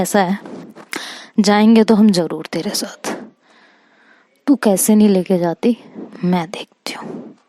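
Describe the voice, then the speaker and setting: Female storyteller, chatty first-person love story with quoted dialogue; warm dark tone, dry close mic. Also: on the low side, no room sound. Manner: chatty, quotes friends in quick back-and-forth. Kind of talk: first-person story told aloud, voicing friends' dialogue.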